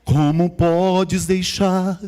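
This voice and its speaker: A man's voice: high-pitched, flat delivery, drawn-out words, warm tone, smooth, soft background music. A man from Maranhão in Brazil, with a local accent, tells his personal testimony to a church congregation in a conversational storytelling way. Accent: Maranhão Brazilian Portuguese. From São Luís, Maranhão, Brazil. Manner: conversational storyteller, speaks directly to the audience. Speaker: guest speaker at church.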